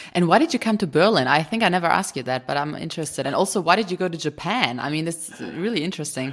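With a German accent, a woman talks very fast with hardly any pauses, using a fairly low pitch and lively intonation. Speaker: podcast host. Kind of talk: interview.

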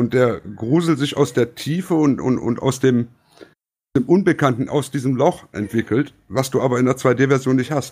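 An unremarkable speaking voice, this man talks at a moderate pace and medium pitch with ordinary pitch variation and very even loudness. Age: 50s. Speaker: blogger and podcaster. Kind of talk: casual chat.

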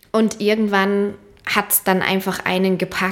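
At a fairly slow pace, a woman speaks in a medium pitch with a slight Franconian accent. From Lower Franconia, near Würzburg. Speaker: winemaker and wine shop founder. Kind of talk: interview. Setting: studio, sitting across the table.

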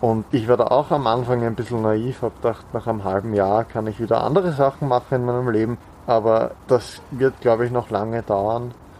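This man talks at a medium pitch and a moderate pace. His intonation stays fairly even. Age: 20s. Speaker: student climate activist. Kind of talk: interview. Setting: food tent at outdoor protest camp, face mask.

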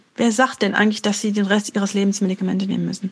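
Her intonation fairly even, a woman speaks at a very fast pace. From Germany, Rhineland-Palatinate (Bingen). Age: 50s. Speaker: journalist and mental health patient advocate. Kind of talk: interview testimony. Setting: remote call. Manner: hesitant, many fillers.

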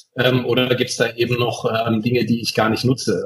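A man's mid-range voice comes through clearly audible background noise. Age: 30s. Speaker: performance coach. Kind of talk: interview. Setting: video call. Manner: hesitant with frequent fillers.

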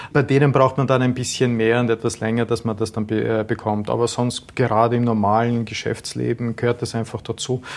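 A man speaks in a monotone, flat intonation with hardly any pauses. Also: medium pitch for a man, moderate pace. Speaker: trade delegate and export expert. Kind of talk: interview. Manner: hesitant with fillers and repetitions.

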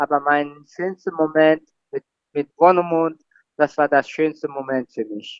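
A man with a Mongolian accent speaks at a fairly high pitch with fairly even intonation. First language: Mongolian (speaking German). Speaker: jockey. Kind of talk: interview. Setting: phone call.

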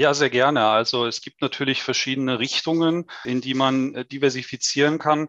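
At a moderate pace with hardly any pauses, a man speaks in a plain, everyday voice of medium pitch, his intonation fairly even and the sound dry and close with no echo. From Westphalia, Germany. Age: 30s. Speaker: innovation consultant. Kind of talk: interview.

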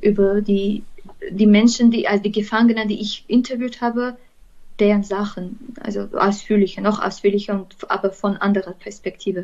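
In an Armenian accent, the speaker goes at a moderate pace, somewhat breathy, with fairly even intonation. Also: woman. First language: Armenian (speaking German). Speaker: student and author. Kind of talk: interview. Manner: halting, many fillers.

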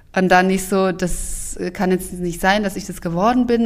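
This woman has an unremarkable speaking voice, medium in pitch, and she talks at a fairly quick pace. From Dresden, Saxony. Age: 30s. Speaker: police officer and former beauty queen. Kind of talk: casual interview. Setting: remote call.

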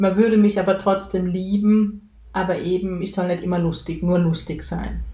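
A woman's somewhat breathy voice with a dark, mellow tone and monotone, flat intonation at a moderate pace, with audible room echo. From Kurpfalz, southwest Germany. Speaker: spiritual medium, podcast host. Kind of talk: solo podcast monologue. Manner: casual, chatty.

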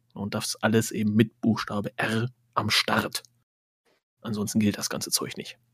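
A man speaks at a fairly low pitch in a flat monotone. Long pauses come often. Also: moderate pace. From Lower Saxony, Germany. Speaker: podcast co-host. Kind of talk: casual chat. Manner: halting.

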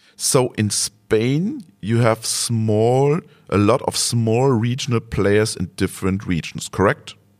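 With a German accent, a man speaks very slowly in a medium pitch, using ordinary pitch variation and hardly any pauses. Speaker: podcast host. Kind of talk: interview.

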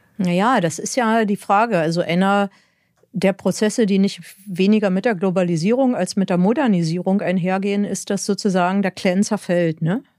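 In a plain, everyday voice, a woman speaks with fairly even intonation on a very clean recording with a silent background. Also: medium pitch for a woman, moderate pace. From eastern Germany, Spreewald (Lusatia). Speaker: psychology professor. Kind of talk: interview. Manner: frequent tag 'ne?'.

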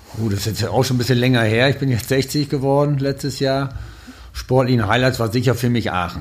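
At a fairly quick pace, a man talks in a somewhat breathy voice. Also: medium pitch for a man. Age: 60s. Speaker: horse breeder and show jumper. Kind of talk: interview.

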